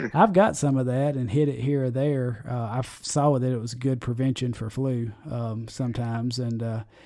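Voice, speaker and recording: A man with a Southern US accent at a medium pitch, moderate in pace, with fairly even intonation and hardly any pauses. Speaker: podcast host. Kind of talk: interview. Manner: halting, repeats words.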